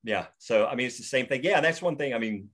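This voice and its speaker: A man's voice: medium pitch, lively intonation, fast, fairly bright tone. A man hosting a table read discussion, rambling and opinionated as he goes off on tangents over a video call. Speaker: writer and host of the table read. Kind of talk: casual discussion.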